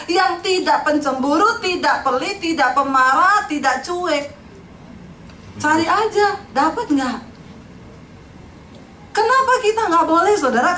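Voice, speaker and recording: A middle-aged woman pastor from Sulawesi giving a humorous, lively sermon. She laughs often and teases the congregation. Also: sits high, slight background noise. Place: large church hall. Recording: echoey church hall from far off.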